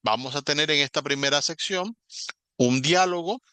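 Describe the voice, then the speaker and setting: A man teaching an online English class, patiently explaining step by step and saying English words slowly as examples. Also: a little high, pushed and bright, clear, resonant tone, dry recording.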